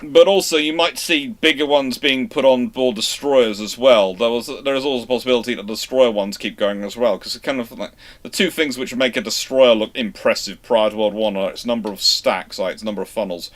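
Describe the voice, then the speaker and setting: A male livestream host with a mid-pitched voice talks casually through listener questions. He explains like an animated storyteller, posing questions and then answering them himself. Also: fairly quick. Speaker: host of a naval history livestream.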